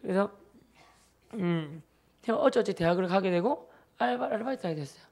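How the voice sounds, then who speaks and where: A man in his thirties with a Gyeongsang accent, a church deacon giving a lively testimony talk and acting out his family. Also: high voice, brisk. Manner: animated storyteller who acts out family members.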